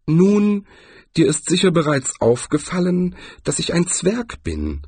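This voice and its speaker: A male dwarf jeweller from a fantasy storybook, acted out by a man. The voice sits higher and sounds husky. He grumbles drily, unimpressed by everything and very matter-of-fact. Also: huge pitch swings, measured pace, a little mellow, no echo, full character voice. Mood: dry, resigned.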